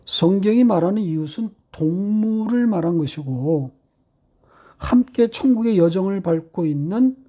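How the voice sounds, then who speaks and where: A middle-aged male pastor preaching a sermon, posing rhetorical questions and slowing down to stress key phrases. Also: high-pitched, animated, warm tone. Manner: rhetorical questions, measured delivery with slowed emphatic phrases.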